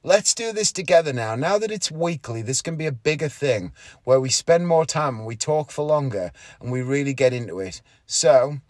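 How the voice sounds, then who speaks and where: A man's voice: fairly high pitch, animated, moderate pace, no echo, clean studio sound. A man, talking casually and candidly on his solo podcast from inside a parked car, often correcting himself. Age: 30s. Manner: rambling, candid, self-correcting. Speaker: podcast host, magician.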